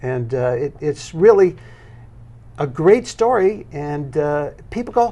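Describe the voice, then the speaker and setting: Fairly high-pitched speech from a man, with long, frequent pauses and noticeable background noise. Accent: American. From Detroit, US Midwest. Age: 60s. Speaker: author and retired teacher. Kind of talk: interview. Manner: hesitant with fillers.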